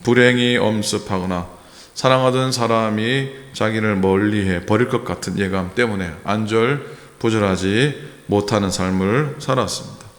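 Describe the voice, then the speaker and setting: A man from Gyeongsang preaches to his congregation, his low voice carrying a long, ringing reverb. He builds to earnest emphasis and stops now and then on hesitant fillers, recorded in a roomy church sanctuary. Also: normal speed. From Gyeongsang, South Korea. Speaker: pastor. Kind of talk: sermon. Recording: echoey church hall.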